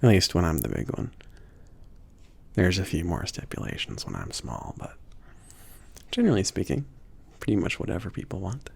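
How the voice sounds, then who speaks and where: A man playing a laid-back, obliging mage shopkeeper in a soft, intimate ASMR roleplay, hesitant and rambling, husky and often near a whisper. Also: low-pitched, wildly swooping pitch, moderate pace, pauses often, full character voice. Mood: soft, accommodating. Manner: hesitant, rambling, trailing off with small chuckles.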